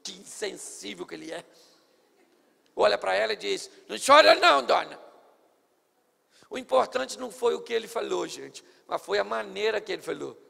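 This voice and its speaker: A man's voice: high voice, animated, fairly quick, creaky, big-room sound. A male pastor preaching a sermon at a church service, theatrical and playful.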